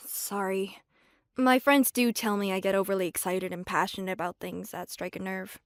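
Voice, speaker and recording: A woman's voice: medium pitch, little pitch movement, moderate pace, no room sound, clean studio sound, lightly acted. A woman playing an outspoken, fiery young woman who works as a cashier in a fan audio drama, with an emphatic, forthright manner. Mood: sheepish.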